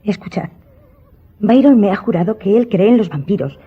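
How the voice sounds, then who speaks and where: A woman's voice: medium pitch, expressive, moderate pace, husky. A woman playing a superstitious, imperious countess in a radio drama, speaking in a formal, dramatic, insistent way. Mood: frightened, pleading. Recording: dull recording with background music.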